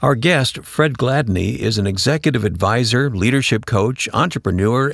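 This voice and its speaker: A man hosting a Christian radio interview program, reading a measured scripted introduction. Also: mid-range voice, gravelly, dry recording, clean studio sound.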